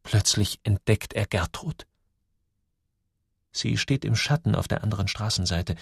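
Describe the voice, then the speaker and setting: A man reading a story aloud in scripted narration, with lively, dramatic ups and downs. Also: on the low side, a little slow, creaky, breathy edge, dry recording, studio quality. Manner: lively, dramatic storytelling with sudden drops and rises. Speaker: audiobook narrator.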